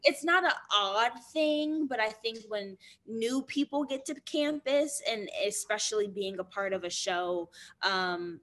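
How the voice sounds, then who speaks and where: College-age woman on a video call, talks fast and animated, lots of ums and repeats, mid-pitched voice. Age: young adult. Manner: animated, quick storytelling with fillers and repeats. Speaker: guest actor. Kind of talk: interview over video call. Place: small room indoors.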